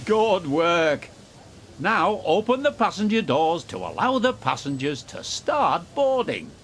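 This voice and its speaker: A man's voice: high-pitched, very animated, measured pace, a bit bright, slight background noise, heavily acted. A man playing an encouraging, instructive narrator in a scripted children's train game tutorial. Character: encouraging male tutorial narrator guiding young train drivers.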